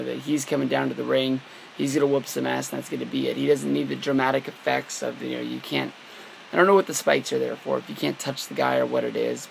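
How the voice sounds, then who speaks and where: Hoarse, gravelly-voiced man rambling casually. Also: mid-range voice. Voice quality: scratchy, worn-out voice. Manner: rambling, many fillers and restarts. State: hoarse from a long weekend. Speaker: wrestling vlogger. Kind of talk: casual talk to camera.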